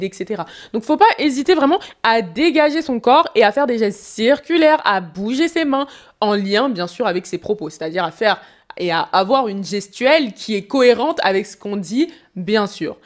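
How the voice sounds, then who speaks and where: A woman public speaking coach commenting on a televised interview, giving advice straight to the viewer. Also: on the high side. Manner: advising, direct to viewer. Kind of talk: speech analysis commentary.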